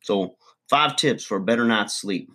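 A man's voice: fairly low pitch, normal speed, sharp tone. A man playing a crude, boastful middle-aged redneck uncle, rambling folksy advice in a comedy monologue.

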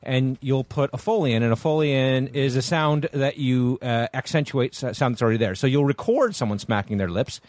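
A man hosting a podcast in casual chat, laughing often and steering the talk with quick asides. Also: mid-range voice, a little mellow, dry recording. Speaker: podcast host.

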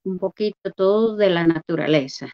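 An older woman from Guatemala, a guest who speaks haltingly and searches for her words. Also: fairly low pitch, highs cut off. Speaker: guest, Maya weaver. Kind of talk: hesitant interview talk.

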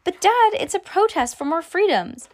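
A woman reading a storybook as a bossy, excitable young schoolgirl, insistent and dramatic. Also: very high-pitched, moderate pace, slight background noise, voice pushed up. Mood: pleading.

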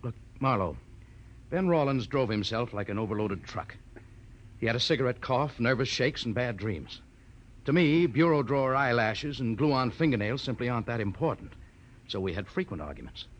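A man's voice: medium pitch, lively intonation, normal speed, muffled recording, close to an everyday voice. An actor playing a guarded, haughty businessman in a 1940s radio detective drama, speaking in a stiff, testy, formal way. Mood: testy, indignant.

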